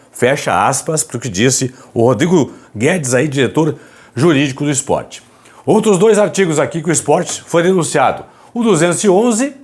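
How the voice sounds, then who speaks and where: A man presenting football news commentary to viewers, speaking softly with a hoarse, raspy voice as he recovers from a throat problem. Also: fairly high pitch. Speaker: sports commentary host.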